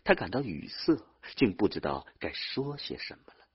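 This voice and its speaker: Deep husky male storyteller. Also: normal speed, muffled recording. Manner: expressive storytelling, dramatic swings. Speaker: narrator. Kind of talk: audiobook novel reading.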